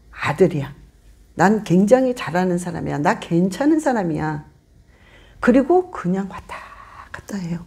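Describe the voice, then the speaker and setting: A woman pastor preaching a sermon to her congregation, emphatic and repetitive, often acting out the voices of churchgoers. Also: fairly high pitch. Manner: animated, acts out congregants' voices; emphatic, repeats commands.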